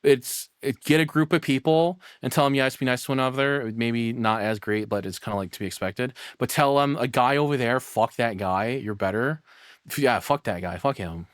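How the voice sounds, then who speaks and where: A man giving casual live reaction commentary as a streamer, rambling and excitable, with casual swearing. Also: medium pitch, moderate pace, dry recording, clean studio sound.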